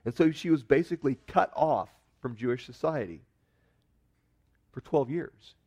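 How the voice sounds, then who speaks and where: A man preaching a sermon, telling a story with expressive swells of emphasis and dramatized quotes. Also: medium pitch, normal speed, husky. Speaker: pastor.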